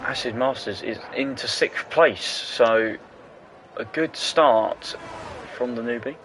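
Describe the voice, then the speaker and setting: A man doing casual, jokey commentary on an online racing league, full of quick asides. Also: mid-range voice, a bit bright, a little hiss or hum, low-quality recording. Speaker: race commentator.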